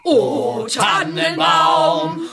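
A woman's voice: sits high, very animated, very slow, gravelly, loud music behind the voice, full character voice. A woman playing a young girl witch in a children's audio drama, chanting and singing. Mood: festive singing.

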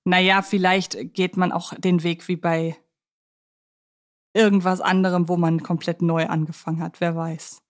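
A woman's voice: on the low side, flat delivery, a little slow. A woman co-hosting a podcast, discussing films in a casual, colloquial way with a fan's enthusiasm. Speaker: podcast co-host.

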